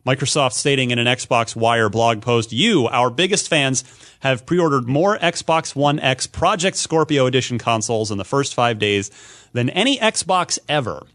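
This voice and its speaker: A man hosting a casual video game news discussion, often repeating words as he thinks out loud. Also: medium pitch, lively intonation, normal speed. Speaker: podcast host.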